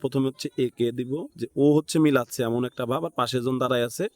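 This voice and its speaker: A man's voice: mid-range voice, fairly even intonation, fast, a little mellow, no room sound. Bangladeshi man giving an informal tutorial. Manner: thinks aloud, checks in with listeners. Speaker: tutorial instructor. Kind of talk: informal step-by-step screen tutorial.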